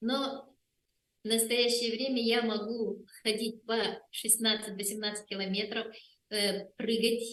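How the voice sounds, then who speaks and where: A woman's fairly high-pitched voice. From Yakutia, Russia. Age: 60s. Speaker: health insurance auditor, product ambassador. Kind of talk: testimony. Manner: halting, many fillers.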